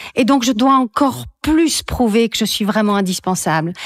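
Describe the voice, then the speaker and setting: With a dry, close sound and no echo, a woman speaks in an animated tone, her fairly high voice carrying lively intonation. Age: 60s. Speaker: founder of a gender-equality organisation. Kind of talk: podcast interview.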